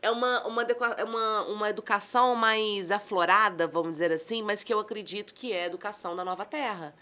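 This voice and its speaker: A woman with a Brazilian accent, a communication trainer chatting as a podcast guest, animated and exclamatory, acting out the dialogue in her stories. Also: medium pitch, quick pace. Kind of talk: casual podcast conversation.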